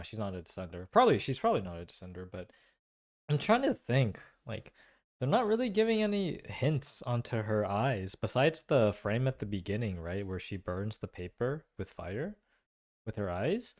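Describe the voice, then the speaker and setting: A man's voice: fairly low pitch, very animated, moderate pace, a little mellow. A man giving casual game reaction and analysis commentary, musing aloud with lots of questions and informal slang. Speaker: reaction video host.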